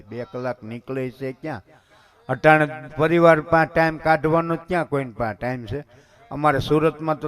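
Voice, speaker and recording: A man giving a devotional sermon in a folksy, conversational way, often calling his listeners bapu. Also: medium pitch. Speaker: katha preacher.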